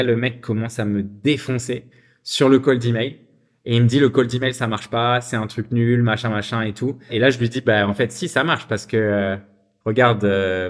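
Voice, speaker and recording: A man from France with a French accent, telling anecdotes about his business failures in a casual, chatty way, with many fillers. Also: mid-range voice. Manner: chatty, many fillers, shifts voice to quote people. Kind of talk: casual storytelling monologue.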